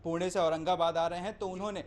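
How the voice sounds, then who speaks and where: A man's voice: sits high, fairly even intonation, fast talker. A man reporting live as a news correspondent, explaining in long, winding sentences with hesitations.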